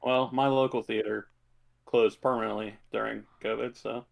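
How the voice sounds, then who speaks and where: A man co-hosting a podcast, chatting casually about movies in a low-key, hesitant way. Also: little pitch movement, moderate pace, vocal fry. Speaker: podcast co-host.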